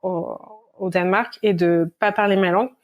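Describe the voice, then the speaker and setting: A young woman talking as a guest on a podcast, relaxed and chatty, with many fillers and sighs. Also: fairly low pitch, brisk, dull audio. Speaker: guest illustrator. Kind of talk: casual interview chat.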